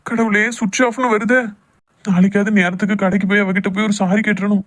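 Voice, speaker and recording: A man's voice: high voice, fairly even intonation, fast talker, loud music behind the voice, lightly acted. A man playing a hurt, jealous young lover in a cartoon love drama, with a southern Tamil Nadu accent. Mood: worried, remorseful.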